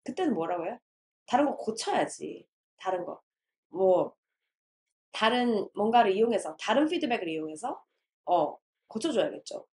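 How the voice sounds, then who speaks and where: A woman lecturing on English teaching methods, explaining in Korean and reading English definitions slowly, sometimes acting out a teacher and a student. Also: medium pitch, big pitch swings, darkish tone, a little hiss or hum. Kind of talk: recorded lecture.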